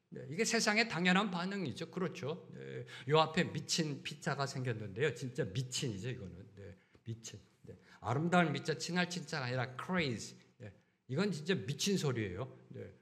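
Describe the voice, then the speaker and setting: A middle-aged male pastor preaching a sermon in a church, full of rhetorical questions and repeated phrases, swinging between loud emphasis and quiet asides. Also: medium pitch. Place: church sanctuary.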